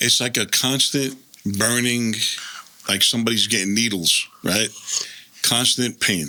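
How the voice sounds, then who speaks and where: Delivery comes at a fairly slow pace with ordinary pitch variation and long, frequent pauses. Noticeable background noise sits behind the voice. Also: man, medium pitch for a man. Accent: New York. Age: 50s. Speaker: former mobster, show host. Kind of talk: casual chat.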